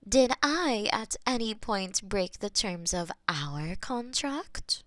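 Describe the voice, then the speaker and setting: A woman voicing a possessive, teasing female demon of war in an intimate audio roleplay, with soft breathy whispers. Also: medium pitch, lively intonation, no room sound. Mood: smug. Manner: teasing, possessive, slow and drawn-out.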